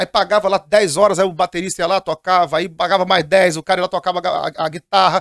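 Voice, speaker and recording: A man with a high voice talks very fast in an animated tone, with hardly any pauses, in a very clean, dry, close recording with no echo and a silent background. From Brazil, interior. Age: 30s. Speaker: pastor. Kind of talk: casual chat.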